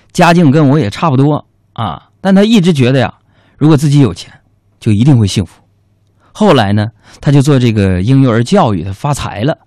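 A radio host with a mid-range, darkish voice delivers a comic monologue, recorded dry at studio quality. He tells jokes at his own expense in a playful, self-mocking storytelling style.

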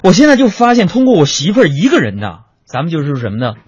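Husky animated man. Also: on the high side, quick pace, dry recording. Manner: animated, chatty, addresses audience as friends. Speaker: comedian. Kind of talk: comic storytelling monologue. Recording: dry lo-fi recording.

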